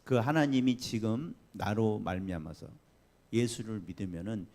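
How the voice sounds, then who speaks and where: A man preaching a Sunday sermon as pastor, chatty and lively, asking the congregation questions and laughing along. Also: fairly low pitch, normal speed. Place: church sanctuary.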